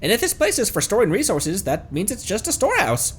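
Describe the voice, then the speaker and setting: A man voicing a small, excitable, childlike female fairy companion from a game. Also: sits high, fairly quick, slight background noise, pitched above the performer's own voice. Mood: excited.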